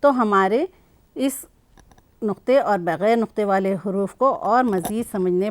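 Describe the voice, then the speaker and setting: A middle-aged woman teaching young children, who explains patiently, asks questions and slowly repeats sounds. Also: medium pitch, dry recording. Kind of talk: classroom lesson for children.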